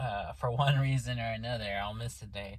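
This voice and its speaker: Recorded with audible room echo, a man with an Oklahoma accent speaks at a medium pitch, somewhat breathy, with ordinary pitch variation. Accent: Okie. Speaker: vlogger. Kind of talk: casual vlog monologue. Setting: in a parked car at night. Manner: halting, many fillers and restarts.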